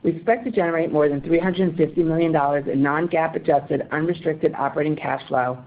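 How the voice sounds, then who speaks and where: A woman's voice: sits low, steady tone. Formal woman on a tinny phone line. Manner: formal, measured. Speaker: company financial executive on earnings call. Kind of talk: scripted financial report reading.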